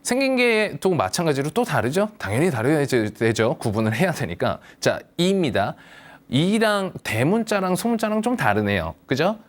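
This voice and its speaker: A man teaching English pronunciation to older learners, patiently modelling words for the viewer to repeat and reassuring them. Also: fairly high pitch. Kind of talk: slow, patient language lesson for seniors.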